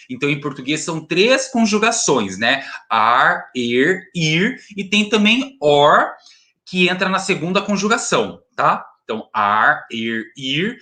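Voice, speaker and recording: A man's voice: on the high side, pushed and bright. A Brazilian man teaching a recorded school grammar lesson. He explains step by step, asks questions and answers them himself, and repeats single words and word parts.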